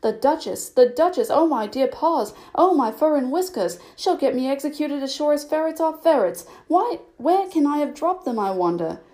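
Storybook White Rabbit, played by a woman: male, fretful and bossy, raised pitch, agitated muttering and exclamations. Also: big pitch swings, moderate pace, few pauses, dark tone. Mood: anxious muttering.

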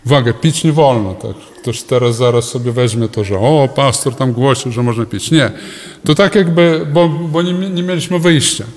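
A man's voice: mid-range voice, moderate pace, big-room sound. A male pastor giving a sermon, telling a personal story in a chatty way, with restarts and chuckles. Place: church service hall.

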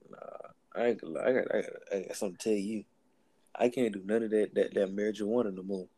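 A young man chatting casually with a friend, telling stories in relaxed slang with mumbled asides. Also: on the low side, fast. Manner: laid-back slangy storytelling, mumbled asides. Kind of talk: casual chat between friends.

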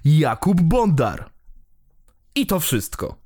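A man's voice: on the high side, huge pitch swings, takes it slowly, a little mellow. Podcast guy cracking up all the time, swears, says stuff twice, bouncy voice. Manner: laughs often, swears, repeats himself. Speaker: podcast co-host. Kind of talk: casual chat.

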